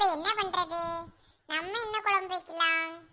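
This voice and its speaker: In a cartoonish character voice, a woman squeaks at an extremely high pitch. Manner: blunt, quick comebacks.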